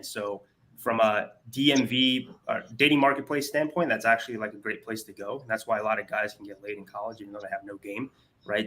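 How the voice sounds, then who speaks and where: Forceful, low-voiced male podcast host. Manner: analytical, ribbing, uses many fillers. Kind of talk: casual chat.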